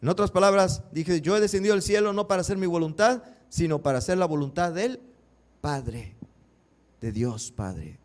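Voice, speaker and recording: Pastor, male, higher voice, sermon delivery with rhetorical questions to the congregation. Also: expressive, normal speed. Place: church.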